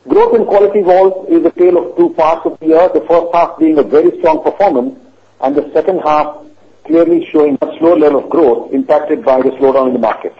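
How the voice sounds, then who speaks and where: A man with an Indian accent giving a formal, measured corporate earnings presentation as a company finance executive. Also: fairly high pitch. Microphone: conference call line. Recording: dull lo-fi conference call audio.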